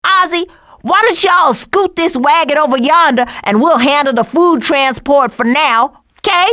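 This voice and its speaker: A woman's voice: high voice, unhurried, pushed and bright. A woman playing a sassy, wisecracking, streetwise female cartoon skunk in a video game, with an American accent and sarcastic, slangy delivery. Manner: sarcastic, slangy, punchy one-liners. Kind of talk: video game character voice lines.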